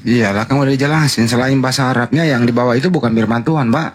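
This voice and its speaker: A man's voice: mid-range voice, fast, slightly rough. A man arguing bluntly and with exasperation in a heated debate. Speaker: debate participant.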